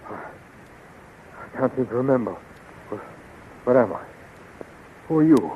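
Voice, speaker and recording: A man's voice: medium pitch, sing-song, slow, phone-quality sound. A man playing a brave young space adventurer, earnest and melodramatic, in a 1930s radio serial. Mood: confused. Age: young adult. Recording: thin, noisy 1930s radio recording.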